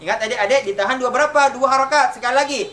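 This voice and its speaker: A man teaching children Quran recitation rules in an online lesson, asking questions and answering them himself and chanting the examples slowly. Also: very high-pitched, pushed and bright. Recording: distant mic, faint background noise.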